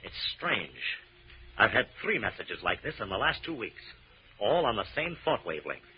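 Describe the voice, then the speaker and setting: A confident radio-era investigator, earnest and brisk with a dry, wry edge. His intonation swings widely. The recording is old and dull, with a clear layer of noise. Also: lowish voice, sing-song. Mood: intense, puzzled. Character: eager, confident male psychic investigator and lab analyst. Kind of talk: 1940s radio detective drama acting.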